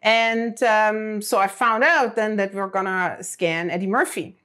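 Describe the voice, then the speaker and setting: A woman's voice: medium pitch, steady tone, unhurried, a bit bright. Middle-aged woman, German native speaker, chatty storyteller, mid-range voice. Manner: chatty, many fillers and restarts. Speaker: interview guest. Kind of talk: casual storytelling.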